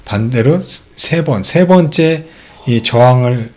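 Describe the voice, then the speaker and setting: A middle-aged man walks through stock charts in a casual, chatty way, leaning on fillers as he goes. His pitch swings freely, rising and falling as he makes each point. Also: expressive, slow, darkish tone. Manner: explains charts step by step with many fillers. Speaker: stock channel host. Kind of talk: casual stock market commentary.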